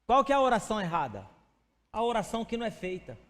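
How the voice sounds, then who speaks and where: A male pastor preaches conversationally in a church sanctuary, addressing congregation members by name and acting out little stories with quoted voices. His voice is high, sing-song and a bit bright, he talks fast, and a long church-hall reverb fills the recording.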